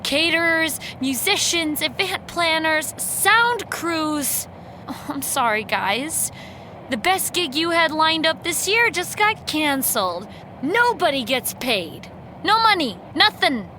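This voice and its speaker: A woman's voice: high-pitched, very animated, bright, forceful tone, a little hiss or hum, heavily acted. A woman playing an exasperated, anxious campaign staffer who sounds hurt and agitated, in a naturalistic audio drama. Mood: angry, exasperated. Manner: agitated, sarcastic, halting and repeating herself.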